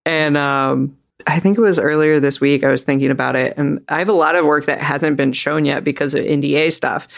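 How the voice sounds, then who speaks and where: A man who works as an illustrator, co-hosting a podcast in a relaxed, filler-heavy way. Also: a little high, a little fast, gravelly. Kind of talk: casual chat.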